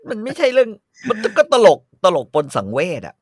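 Man co-host, lively pitch swings, blunt profane ranting, dry close sound. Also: brisk, slightly rough, dry recording. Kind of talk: casual podcast chat.

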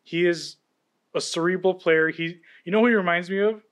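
Brief: male podcast co-host, confident and enthusiastic analysis, voice a bit high. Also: moderate pace, a bit bright. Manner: confident, breaks down players with enthusiasm. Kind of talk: casual sports chat.

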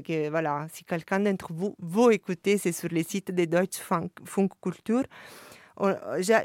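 Hesitant woman with a smooth, dry voice. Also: fairly low pitch, no room sound. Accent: non-native French accent. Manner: hesitant, searching for words, many fillers and restarts. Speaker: artist discussing her radio work. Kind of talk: reflective discussion at a listening session.

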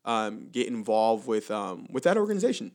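A man's voice: on the low side, big pitch swings, normal speed, darkish tone. A man hosting a casual interview, chatting in an upbeat, informal way with plenty of slang. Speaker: interview host.

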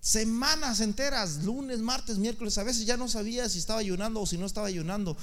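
A man preaches with a high-pitched voice. He repeats words for emphasis and rises to fervent shouts. It is the sound of a congregation sermon. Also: fairly quick.

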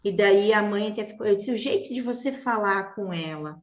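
A woman's voice: mid-range voice, animated, moderate pace. Hesitant woman in an echoey room. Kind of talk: casual chat with a colleague. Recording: echoey room, faint noise.

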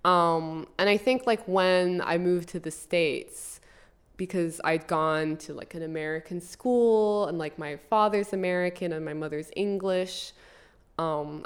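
A woman's voice: low-pitched, smooth. A young woman who grew up in Colombia, talking casually as an author guest in an interview, rambling with many "like"s. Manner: rambling, filler-heavy with frequent "like". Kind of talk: podcast interview.

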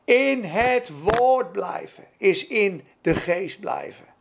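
A woman preaching a sermon with fervent emphasis, asking her own questions and answering them, swinging between soft and loud. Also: mid-range voice, lively intonation, takes it slowly, creaky, noisy background.

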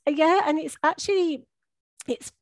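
A woman's voice: high-pitched, a little slow, dry recording. Chatty English woman, dry sound. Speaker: podcast guest, hearing loss coach. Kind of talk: casual conversation.

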